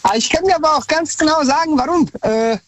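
A man's voice: very high-pitched, fast talker, a bit bright, no echo. A man calling in to a radio show, friendly and chatty. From Hesse, Germany. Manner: friendly, chatty, laughs easily. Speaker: caller. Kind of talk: phone-in conversation.

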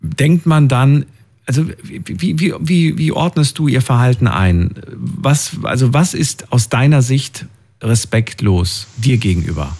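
Male radio host, husky, presses callers with pointed questions. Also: medium pitch, lively intonation, unhurried, a little mellow. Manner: probing, questions each answer. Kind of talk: call-in radio talk.

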